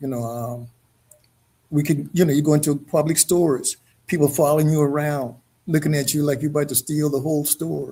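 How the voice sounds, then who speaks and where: A man's fairly high, somewhat breathy voice with a dark, mellow tone, an American accent, fairly even intonation and a moderate pace. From Charleston, South Carolina. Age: 70s. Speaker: historical association president. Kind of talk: interview. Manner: halting.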